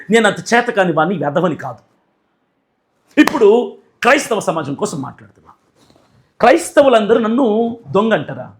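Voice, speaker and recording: High-voiced indignant man scolding. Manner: indignant, scolding, repetitive rhetorical questions. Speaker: Christian activist and YouTuber. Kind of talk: angry video rant.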